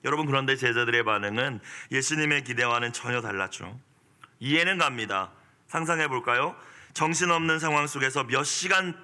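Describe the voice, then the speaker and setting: Bright-voiced man preaching with fervor. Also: medium pitch. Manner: animated, swings from soft asides to pleading, forceful outbursts. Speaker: pastor. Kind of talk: early-morning sermon.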